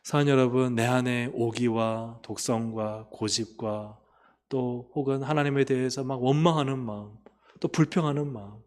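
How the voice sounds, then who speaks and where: A man preaching a sermon as pastor, emphatic, swinging between loud calls and soft asides. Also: mid-range voice, fairly even intonation, normal speed, long reverb tail. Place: church sanctuary.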